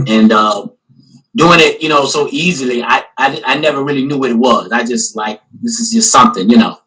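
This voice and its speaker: A man's voice: mid-range voice, very animated, normal speed, pushed and bright, breathy edge, low-quality recording. A man, an artist and guest curator, talking casually on a video call panel and filling his sentences with "you know". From Newport News, Virginia. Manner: rambling, many "you know" fillers.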